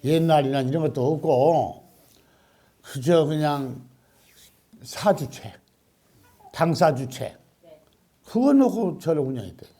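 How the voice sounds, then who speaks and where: Animated older monk preaching. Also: male voice, fairly high pitch. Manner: animated, questioning the audience, laughing. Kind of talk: Buddhist dharma talk to a congregation.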